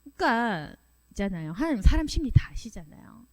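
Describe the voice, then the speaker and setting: A woman's voice: fairly high pitch, sing-song, brisk. A woman pastor preaching a sermon, direct and emphatic, who acts out dialogue in changing voices as she addresses the congregation. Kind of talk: sermon at a Friday prayer meeting.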